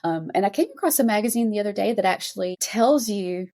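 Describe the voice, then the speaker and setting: Podcast host, woman, mid-pitched voice, casual and encouraging interviewer. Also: animated, fast talker, darkish tone.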